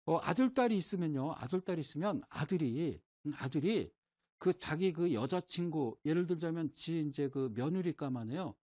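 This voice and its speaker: A man's voice: fairly high pitch, expressive, normal speed, a little mellow. A middle-aged man lectures informally on investing, leaning on everyday examples as he sketches on a board. His voice moves up and down with plenty of life. He keeps stopping to ask whether his listeners are following. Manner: folksy, keeps asking "right?" to check the audience follows; explains with everyday homespun examples while drawing. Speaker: stock market lecturer.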